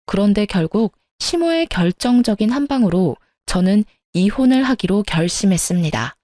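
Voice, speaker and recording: A woman's voice: mid-range voice, lively intonation, normal speed, dark tone, no echo, studio quality. A woman narrating a first-person story in a blunt, indignant way.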